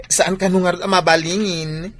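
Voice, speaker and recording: A woman's voice: lowish voice, little pitch movement, a little slow. A woman playing a dramatic, effeminate gay man who pleads and whines in a theatrical radio drama style. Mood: pleading, insistent.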